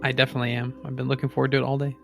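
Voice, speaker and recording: A man's voice: mid-range voice, monotone, vocal fry, faint music behind. Thoughtful man describing his game character. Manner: thoughtful, halting, rephrasing as he goes. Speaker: player in a tabletop role-playing game.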